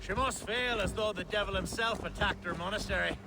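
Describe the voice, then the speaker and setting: An actor playing a fretful, pious medieval Christian who is weary of war, in a video game. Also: male voice, high-pitched, fairly quick. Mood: worried. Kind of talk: dramatic video game acting. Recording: loud game music over the voice.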